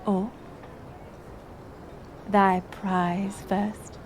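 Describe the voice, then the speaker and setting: Speaking in archaic thee-and-thou English, she voices a playful, curious village woman in a romantic roleplay directed at the listener. Her mid-range, darkish voice barely moves in pitch and stays slow and musing, teasing and puzzled, with slight background noise.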